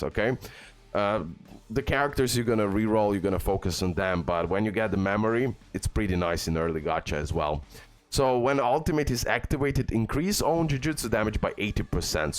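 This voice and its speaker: A man giving casual game guide commentary, enthusiastic and full of fillers. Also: fairly low pitch. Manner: enthusiastic, repeats "guys" and "okay", filler-heavy. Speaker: gaming YouTuber. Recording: faint background music.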